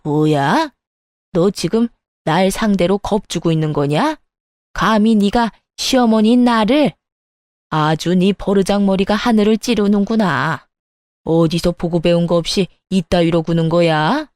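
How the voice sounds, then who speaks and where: A woman's voice: lowish voice, measured pace, a little mellow, no room sound, studio quality, natural voice. A woman voicing a domineering older mother-in-law in an audio drama, speaking with harsh, contemptuous scolding. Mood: outraged.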